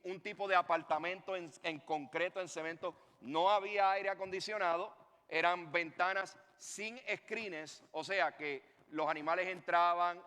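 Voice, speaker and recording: A man, a pastor preaching a sermon and telling a story with lively swings in his voice. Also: high-pitched, big-room sound. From Puerto Rico.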